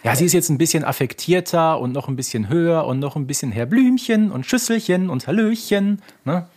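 Slightly husky man, podcast co-host. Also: fairly high pitch, expressive, brisk, a little mellow. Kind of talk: casual conversational discussion.

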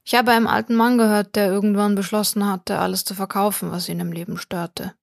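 A woman's voice: mid-range voice, flat delivery, fairly quick, vocal fry, no room sound, studio quality, lightly acted. Woman reading as a chatty talking frying pan. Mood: plain, chatty. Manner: matter-of-fact, talkative. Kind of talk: audiobook reading.

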